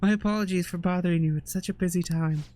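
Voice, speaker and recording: A man's voice: high-pitched, fairly even intonation, fast talker, warm tone, lightly acted. A man voicing a polite, grieving young heiress in a formal, hesitant way.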